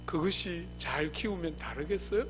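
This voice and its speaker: High-voiced male pastor preaching. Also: moderate pace, a bit bright, faint music behind. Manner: humorous storytelling, rhetorical questions to the congregation. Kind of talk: sermon. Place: church sanctuary. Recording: church hall reverb with faint hum.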